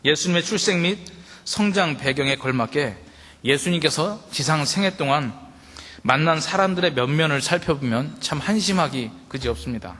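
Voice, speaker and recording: A man's voice: a little high, lively intonation, moderate pace, a bit bright, long reverb tail. A male pastor giving a sermon in a conversational way, speaking directly to his congregation and asking them rhetorical questions.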